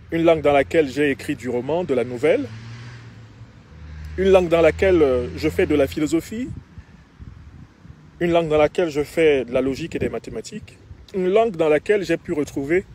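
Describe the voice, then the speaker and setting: A man from Cameroon, a philosopher addressing his audience in a measured, deliberate way, and later reciting a poem with a chanted refrain. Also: a little high, a little mellow, a little hiss or hum. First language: Bassa. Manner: measured and deliberate, with repeated phrases.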